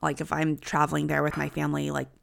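A young woman from the United States co-hosts a podcast in easy, rambling conversation, leaning on lots of filler words. Her voice sits low and carries a gravelly fry, yet stays smooth and clear. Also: monotone, fast. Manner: chatty, many filler words. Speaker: podcast co-host. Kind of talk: casual conversation.

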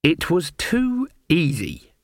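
A man's voice: a little high, wildly swooping pitch, no room sound, studio quality, voice pushed up, full character voice. Man acting a stern, terse old woman witch. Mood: gloomy. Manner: terse, disapproving, slow and weighty. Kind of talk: audiobook character voice.

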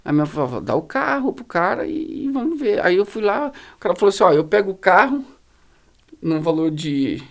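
A man with a Brazilian Portuguese accent, a pastor telling stories as a podcast guest in slangy, animated casual talk full of fillers. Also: sits high, a little fast. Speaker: guest, pastor running a social project. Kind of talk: casual storytelling in a podcast conversation.

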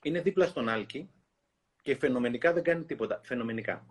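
A man hosting a talk, reading a children's book aloud in an expressive storytelling way and pausing to comment. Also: mid-range voice, noisy background. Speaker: host.

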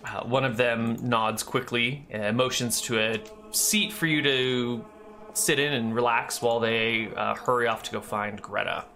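Gm guy narrating, gravelly voice with a bright edge, laid back, lots of ums. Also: medium pitch, a little slow, faint music behind. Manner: relaxed, descriptive, many fillers. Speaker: game master. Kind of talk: narrating a tabletop game.

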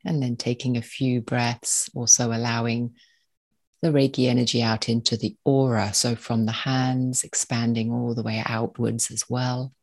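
A meditation guide with a mid-range voice gives slow, soothing instructions. The phrases are short and spaced out, delivered calmly.

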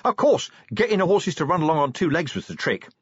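An excitable young coachman from an audiobook, put on by a man, high in pitch and bouncing up and down. He is a cocky daredevil, chatty and boastful. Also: fast, husky, no echo, highs cut off, full character voice. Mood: excited, boastful. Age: young adult.

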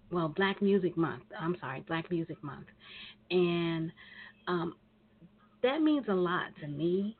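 A woman hosting a talk radio show, chatty and rambling with many pauses, sounding nasal and congested from a cold. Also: fairly low pitch. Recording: tinny phone line with faint hiss.

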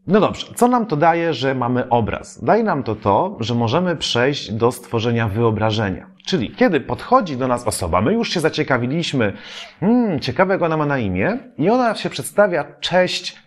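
Lively man teaching with animated pitch. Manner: explanatory, many filler "e" sounds, lively emphasis. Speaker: memory trainer. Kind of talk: educational talk to camera.

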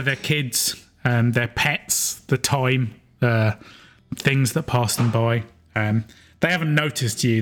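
A man's voice: medium pitch, fairly bright tone. A British man running a tabletop game as game master, narrating the scene in a rambling way full of fillers. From Britain. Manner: rambling, filler-heavy, laughs easily.

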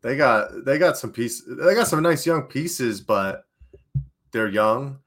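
A man's voice: mid-range voice, lively intonation, slow pace, fairly bright tone. A man co-hosting a sports show who talks emphatically and laughs between his words. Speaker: podcast co-host. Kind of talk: casual sports chat.

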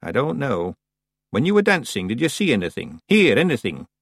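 A man voicing a solemn, sharp-tongued old woman, a witch who speaks in a deliberate, probing way in a storybook. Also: medium pitch, huge pitch swings, slightly rough, no echo, pitched above the performer's own voice, heavily acted. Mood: pondering. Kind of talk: acted storybook dialogue.

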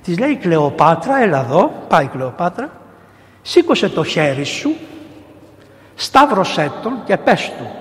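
A middle-aged man, a priest, giving a sermon that retells saints' stories and acts out the people in them. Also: a little high. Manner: animated storytelling, acts out voices of the people in the story. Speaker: priest and missionary preacher. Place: large church. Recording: echoey church with long reverb.

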